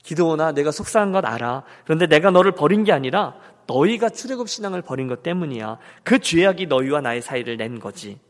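A man voicing God softly consoling a complaining follower, in a reverberant church hall. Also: on the high side, lively intonation, fast, few pauses, voice pushed down, natural voice. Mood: tender. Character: grieving, gentle God speaking to a complaining man.

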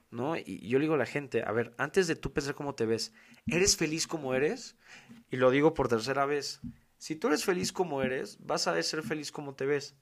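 A man's voice: medium pitch, fairly bright tone. A man with a Mexican accent hosting a podcast, giving a casual monologue in an emphatic, slangy way and repeating his key points. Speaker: podcast host.

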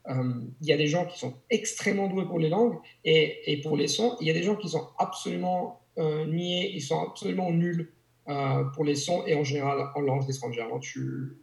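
Speaking French in a conversational interview, an Italian language teacher whose first language is Italian hesitates, restarts often, and leans on fillers. His somewhat high voice is gravelly and darkish, moving at a moderate pace, with roomy echo in the recording.

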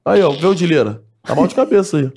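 A man's voice: a little high, animated, fast talker, gravelly, darkish tone, husky. A man from Brazil joking crudely in a casual podcast chat, with sudden swearing. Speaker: podcast guest.

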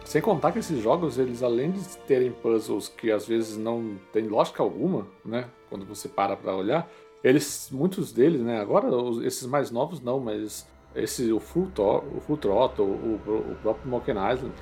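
A man's voice: medium pitch, moderate pace, dark tone, soft background music. A Brazilian man co-hosting a podcast, chatting in an informal, colloquial way about games. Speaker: podcast co-host. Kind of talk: casual chat about video games.

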